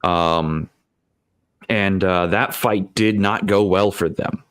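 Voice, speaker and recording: Male panelist, low voice, casual and halting as he thinks aloud, recorded dry. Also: fairly even intonation, a bit bright, no echo. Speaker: panelist and game master. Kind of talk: casual discussion.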